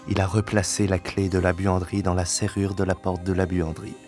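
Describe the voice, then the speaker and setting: An actor playing an obsessive, vengeful widower in a French audio-drama monologue, solemn, grandiloquent and deliberate, often sinking into breathy whispers. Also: male voice, deep voice, flat delivery, darkish tone, close to an everyday voice. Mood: agitated, scheming. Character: obsessive, vengeful widower, grandiloquent, haunted by his lost wife. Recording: binaural recording with music.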